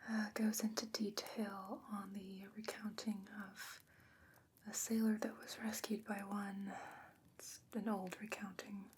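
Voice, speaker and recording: Soft whispery scholar lady woman acting it for fantasy asmr roleplay, patient n measured, pretty flat pitch, hissy recording w clicks. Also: lightly acted. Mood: calm, studious. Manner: hushed, measured, explaining patiently.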